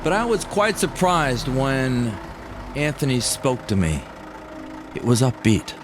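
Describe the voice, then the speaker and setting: A man's voice: medium pitch, lively intonation, takes it slowly, noisy background. An American man telling a personal story as scripted first-person narration. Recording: music behind the voice.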